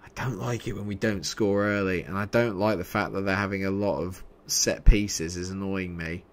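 A young man streaming a football management game, talking through his nerves, yelling at the match and then muttering to himself. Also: sits low, steady tone, moderate pace. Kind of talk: live reactions while playing a football management game.

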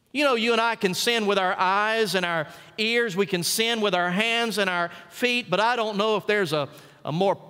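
High-voiced preacher in a reverberant church. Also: male voice, bright, forceful tone, clean tone. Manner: folksy storytelling, emphatic pauses on key words. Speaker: senior pastor. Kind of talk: sermon. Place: church sanctuary.

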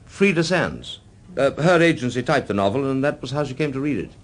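An actor playing a chatty, wry film director in a radio drama, with an effusive, chummy manner. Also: male voice, mid-range voice, expressive, fairly quick, lightly acted.

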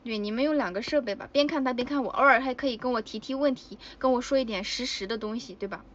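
A high-pitched woman with a bright, sharp voice chats casually with her fans on a phone livestream. She giggles often and exclaims as she talks. The lo-fi stream audio sounds dull. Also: fast. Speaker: idol livestreamer.

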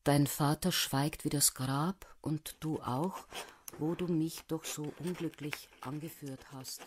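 A woman's voice: sits low, steady tone, slow pace, slight background noise. A woman playing a jilted, bitter servant reading out her letter in an audiobook. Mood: reproachful. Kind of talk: audiobook acting.

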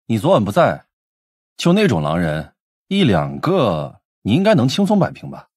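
A man's voice: fairly low pitch, huge pitch swings, normal speed, darkish tone, slightly rough, dry recording, studio quality, heavily acted. A man playing a cool, blunt police detective in his twenties in an audiobook drama, terse and assured. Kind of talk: Mandarin audiobook drama acting.

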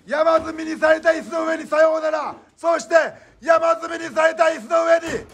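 Breathless shouting male wrestling commentator, very high-pitched. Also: little pitch movement, moderate pace, gravelly. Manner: breathless, rising, like goal commentary, shouting and repeating phrases. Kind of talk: live pro-wrestling play-by-play commentary. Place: small indoor wrestling room. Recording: noisy small room with crowd din.

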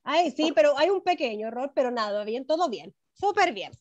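A woman's voice: sits high, animated, fairly quick. A woman with a Chilean accent teaching a first-grade class online, affectionate and encouraging with her pupils. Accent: Chilean Spanish. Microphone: video call. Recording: dull lo-fi video call audio.

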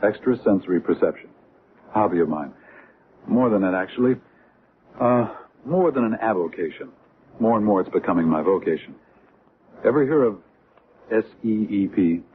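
An actor playing an earnest, open-minded doctor and UFO researcher in a conversational radio drama style. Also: male voice, fairly low pitch, animated, normal speed, long pauses, close to an everyday voice. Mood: casual, probing. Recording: muffled, noisy old radio recording.

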